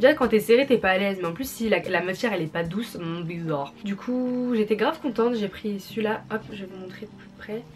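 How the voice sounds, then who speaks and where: A woman of medium pitch, fairly quick and with hardly any pauses, ordinary pitch variation, big swings in loudness, and noticeable background noise. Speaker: fashion youtuber. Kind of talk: product review haul. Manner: fast; casual slangy.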